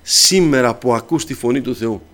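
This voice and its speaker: A man's voice: medium pitch, fairly bright tone. A man preaching a sermon, telling stories and addressing his listeners as brothers.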